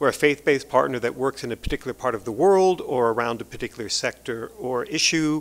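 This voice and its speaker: A man speaks at a very fast pace in a medium pitch. His pitch variation is ordinary. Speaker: international development agency adviser on faith engagement. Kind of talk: panel presentation. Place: hall.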